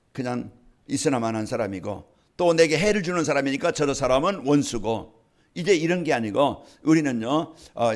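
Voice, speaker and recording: A man preaching a Sunday sermon, his voice sitting a little higher than most men's. He stacks up rhetorical questions and answers them himself in a steady, emphatic pulpit rhythm. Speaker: pastor.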